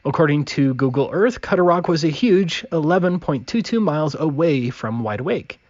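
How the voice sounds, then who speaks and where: Higher-voiced man narrating emphatically. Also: animated, moderate pace, a little mellow, no room sound, lo-fi sound. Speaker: video narrator. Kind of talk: scripted narration.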